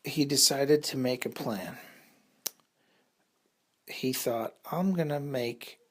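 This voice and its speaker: A man tells a made-up bedtime story to children. His voice is a little husky and breathy, and he takes his time, pausing as he works out each next part. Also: medium pitch.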